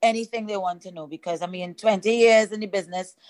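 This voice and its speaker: A middle-aged woman, a soca singer, chatting in an interview and telling lively stories. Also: mid-range voice, fast, dry recording. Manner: lively storyteller, switches into Spanish and French. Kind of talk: casual interview chat.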